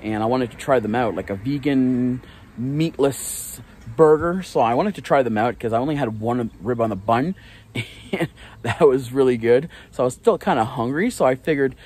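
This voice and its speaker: A man's voice: medium pitch, normal speed, darkish tone, breathy edge. A man in his thirties chatting casually to his phone camera at arm's length, rambling and correcting himself with small laughs. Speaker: vlogger. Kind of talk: casual daily vlog to camera. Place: outdoors by a parking lot and indoors on an armchair. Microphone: phone held at arm's length.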